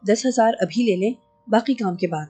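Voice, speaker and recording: A woman's voice: mid-range voice, warm tone, slightly rough, lightly acted. A woman voicing a haughty, wealthy woman in her forties who is impatient and vengeful. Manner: imperious, demanding.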